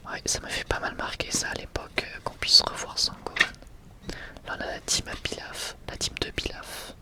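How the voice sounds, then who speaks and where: Soft whispered ASMR voice. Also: normal speed. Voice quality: soft, breathy unvoiced whisper. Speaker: ASMR video creator. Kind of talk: whispered ASMR manga showcase.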